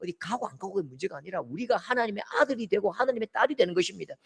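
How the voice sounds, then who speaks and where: A middle-aged man with a Gyeongsang Korean accent preaching a sermon, acting out quoted voices and swinging from loud shouts to soft, tender lines. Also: high-pitched, lively intonation, rapid-fire, gravelly, breathy edge. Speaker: pastor.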